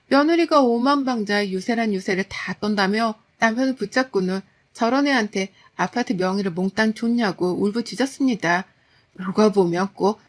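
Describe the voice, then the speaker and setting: Aggrieved woman in her thirties narrating. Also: on the high side. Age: 30s. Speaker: storyteller. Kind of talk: scripted first-person story narration.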